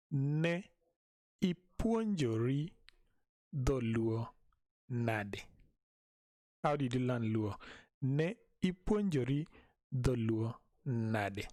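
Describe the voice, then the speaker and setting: A man teaching a language in a live stream, patiently repeating each phrase slowly for learners. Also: medium pitch, dark tone, no room sound, clean studio sound.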